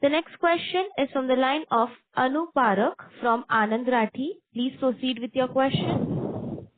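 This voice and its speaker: A woman's voice: high voice, unhurried, no room sound. A woman with an Indian accent moderating a conference call as operator, formal and polite in scripted phrases. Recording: dry narrowband phone line.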